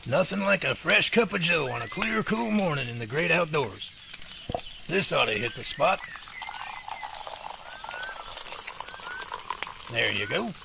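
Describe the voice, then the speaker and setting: Gravelly folksy outdoorsman philosopher played by a man, noisy recording. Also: a little high, big pitch swings, exaggerated voice. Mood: friendly. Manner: folksy, measured, speechifying.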